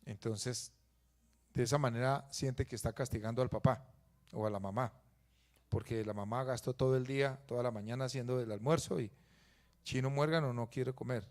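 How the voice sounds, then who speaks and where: Male pastor, mid-pitched, preaching with dramatic shifts between forceful emphasis and soft asides. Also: fairly even intonation, moderate pace. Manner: swings from loud emphatic peaks to low quiet asides. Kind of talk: sermon.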